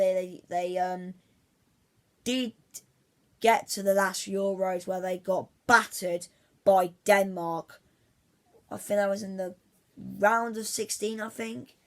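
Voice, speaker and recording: Rambling guy talking football. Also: high-pitched. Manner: rambling, says "obviously" constantly, many restarts; fan-like, insistent about his team. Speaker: football vlogger. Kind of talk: casual football predictions vlog.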